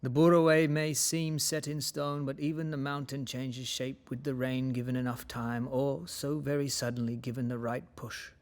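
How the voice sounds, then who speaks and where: A man's voice: medium pitch, flat delivery, moderate pace, few pauses, close to an everyday voice. A man playing a wise old tribal elder, firm and fatherly, at a table read of a fantasy drama. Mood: wise, measured.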